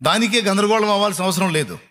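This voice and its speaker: A man's voice: high voice, fast talker, a bit bright. A middle-aged man preaching a sermon, firing repeated rhetorical questions at his congregation. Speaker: pastor.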